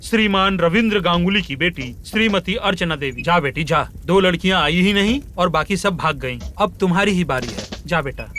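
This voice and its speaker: Declaiming ceremony announcer. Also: male voice, high-pitched, lively intonation, normal speed, few pauses, pushed and bright, a little hiss or hum. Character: announcer calling out the contestants. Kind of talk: dubbed film acting.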